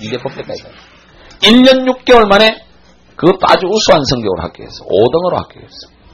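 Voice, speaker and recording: A man in his forties giving a classroom lecture, telling a blunt, animated story to his students. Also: high voice, fast talker, breathy edge, low-quality recording. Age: 40s.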